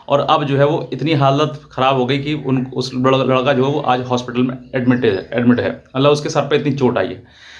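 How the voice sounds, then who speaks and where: A man's voice: a little high, dull audio. A man, giving earnest legal advice straight to viewers and repeating his points. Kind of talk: direct-to-viewer advice talk.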